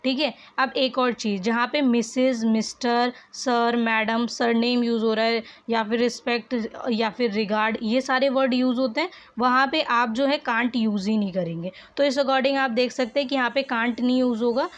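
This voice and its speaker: A woman's voice: on the high side, steady tone, moderate pace, hardly any pauses. Patient woman teaching grammar. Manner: patient, repeats questions and answers for students. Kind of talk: online worksheet lesson, explaining grammar.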